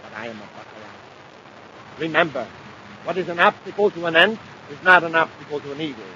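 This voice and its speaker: A man's voice: fairly high pitch, animated, brisk, bright, forceful tone. A vain, imperious nobleman villain from a 1950s radio adventure. He speaks with pompous, theatrical grandeur. The old recording is dull and slightly noisy. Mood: imperious, confident. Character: vain, imperious aristocratic villain bent on ruling the universe.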